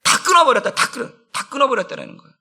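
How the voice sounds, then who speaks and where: A man's voice: extremely high pitch, huge pitch swings, very fast, gravelly, pushed and bright. A middle-aged man, a senior pastor, giving an emphatic dawn prayer sermon and acting out friends' taunts in casual speech.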